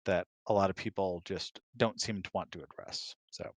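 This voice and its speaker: A man chatting casually, explaining his views in a measured, reflective way. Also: low voice, fairly even intonation, no echo. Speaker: guest, husband of the host. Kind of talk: casual chat.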